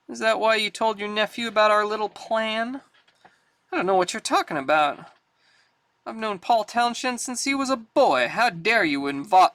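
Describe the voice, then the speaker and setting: A man's voice: high voice, bright, forceful tone, no echo, exaggerated voice. A man voicing a prim, nervous older woman in a read-aloud comic. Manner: prim, flustered.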